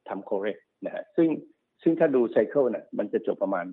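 A man working as a stock market analyst, explaining market cycles quickly and repeating himself, often checking that the listener follows. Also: on the low side, animated. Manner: fast, repetitive explaining, often checks understanding. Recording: narrow phone-like sound.

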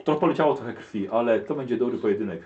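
A man's voice: medium pitch, fast talker, a little mellow, recorded from a distance. A man running a tabletop role-playing game, describing the action and prompting the players. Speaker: game master. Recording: muffled lo-fi recording with faint hiss.

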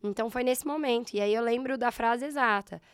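A slightly hoarse woman in her thirties with a Brazilian accent, telling her story in a casual interview and acting out her past thoughts. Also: on the high side, brisk, no room sound, studio quality. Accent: Brazilian Portuguese. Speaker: guest, entrepreneur.

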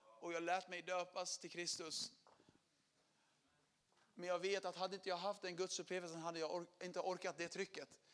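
Man preaching a testimony, high voice, animated, loud then hushed, live church. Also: long pauses. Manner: animated storyteller, acting out quotes, swings from loud to hushed. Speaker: preacher telling his testimony. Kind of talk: sermon testimony.

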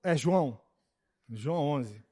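A man's voice: fairly high pitch, animated, slow pace, mellow. A man teaching a Bible class, lecturing in a preachy way and often checking that his students agree.

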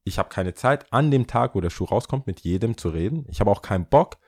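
Animated man telling stories with English slang. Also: lowish voice, brisk. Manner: animated, drops English slang into his talk. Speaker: podcast guest. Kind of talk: casual storytelling chat.

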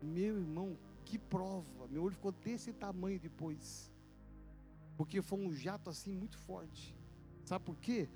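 A male pastor, telling a personal story in a sermon with vivid, animated delivery and sound effects. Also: high-pitched, measured pace, music in the background.

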